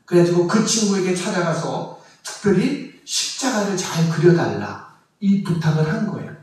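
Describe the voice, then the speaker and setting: A male pastor preaching a sermon as a story, with emotional emphasis and quiet drops in his voice. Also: sits high, lively intonation, normal speed. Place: church sanctuary. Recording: echoey church from far off.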